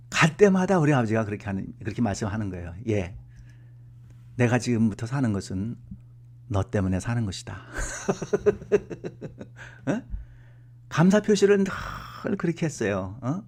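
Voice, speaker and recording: A man's voice: on the low side, a little mellow. Man preaching a personal story. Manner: storytelling, acts out the dialogue. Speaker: pastor.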